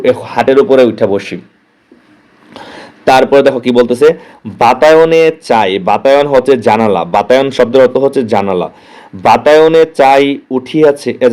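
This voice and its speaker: A man's voice: medium pitch, darkish tone. A young man, teaching a poetry lesson. He explains each word, repeats himself and asks the class questions as he goes.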